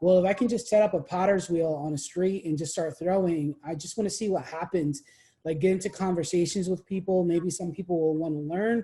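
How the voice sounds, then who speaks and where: A man with a Philadelphia accent speaks fairly quickly in a high, dark, mellow voice on a very clean recording with a silent background. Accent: Philadelphia American English. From Philadelphia, Kensington. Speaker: artist and professor. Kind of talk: interview conversation. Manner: halting, many fillers.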